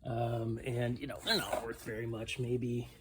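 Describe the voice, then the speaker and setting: A man's voice: medium pitch, level tone, unhurried. An older man giving a casual, unscripted show-and-tell of secondhand finds, rambling and self-deprecating as he goes. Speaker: collectibles reseller showing a garage sale haul. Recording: clearly noisy home recording with clicks.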